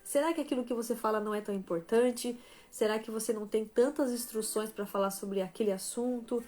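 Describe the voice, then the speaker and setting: A live stream host and author with a somewhat high-pitched voice teaches her viewers in a motivational Christian tone, over soft background music. She shifts between softer and stronger emphasis and tags most of her phrases with quick check-ins of "tá?" and "né?".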